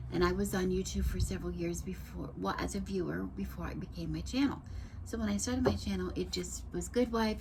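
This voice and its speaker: Pitched very deep and low, a woman speaks with lively intonation in a room with audible echo and noticeable background noise. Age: 70s. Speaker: pagan vlogger. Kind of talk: casual vlog talk. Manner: halting, repetitive; long-winded storytelling.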